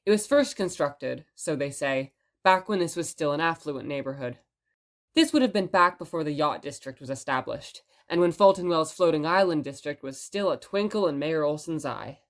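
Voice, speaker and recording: A woman hosting a fictional radio station, with a low voice. She is chatty and playful, with a wry, expressive way of telling a story, as in a scripted audio drama. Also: moderate pace. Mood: measured storytelling.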